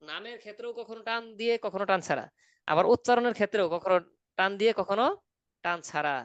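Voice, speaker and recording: A patient male Quran teacher explains recitation rules step by step, now and then checking that his students follow. His voice is smooth and clear. The sound is dry and slightly muffled, like an online call. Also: high-pitched, fast talker, fairly bright tone, dry recording. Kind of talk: online class instruction.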